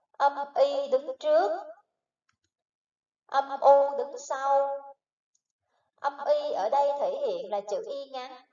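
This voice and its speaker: A woman with a high, mellow voice leads a primary phonics lesson at a slow, deliberate pace, spelling each sound out syllable by syllable. She sounds roomy and set back from the microphone, and the recording is dull. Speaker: primary school teacher. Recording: echoey, distant, dull recording.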